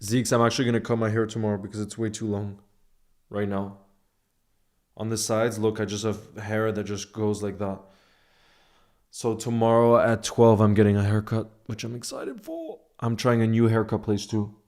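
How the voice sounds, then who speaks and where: A man with a lowish, mellow voice and little pitch variation hosts a relaxed football livestream at a moderate pace. He reads viewers' comments aloud and answers them informally, frequently repeating phrases for emphasis.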